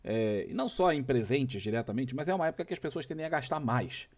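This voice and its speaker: A Brazilian man with a cold and a cough hosts a relaxed stock market chart talk, tossing out plenty of rhetorical questions. His mid-range voice is slightly mellow, with lively intonation and a fast pace, and he has a Brazilian Portuguese accent. The sound is lo-fi.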